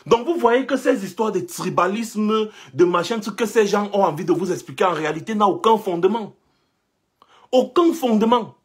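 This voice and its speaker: A young man from Cameroon holds forth in a passionate monologue, pressing his points again and again with rhetorical questions. His voice sits high and has a husky edge. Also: lively intonation, moderate pace. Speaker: commentator. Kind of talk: impassioned monologue.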